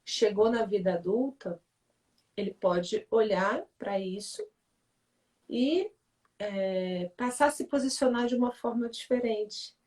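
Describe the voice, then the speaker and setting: A woman talks through family relationships in a calm, teacherly way, her voice sitting at an ordinary middle pitch. She keeps checking in with her listener. The mic is set a little way back from her, so she sounds slightly removed. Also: takes it slowly. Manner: reflective, teacherly, frequent "né?" check-ins. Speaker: author and family-relations speaker in a livestream. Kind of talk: explanatory talk in a live conversation. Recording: voice somewhat distant from the mic.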